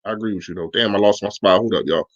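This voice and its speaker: A man's voice: lowish voice, racing, muffled recording. Emphatic, slangy man debating football. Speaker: sports podcast host. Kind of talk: casual sports talk, reacting to live chat.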